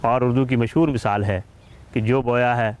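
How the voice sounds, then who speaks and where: A man voicing a calm, wise father who gently and patiently explains a lesson to his young son. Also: medium pitch, lightly acted. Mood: gentle.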